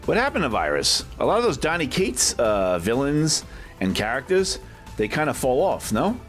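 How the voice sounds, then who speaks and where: This comic-collecting vlog host shows viewers around a packed medium-sized shop, speaking casually and off the cuff while often adding questions to his comments, filmed on a handheld camera. He has a medium-pitched voice that swoops wildly, at a moderate pace over music.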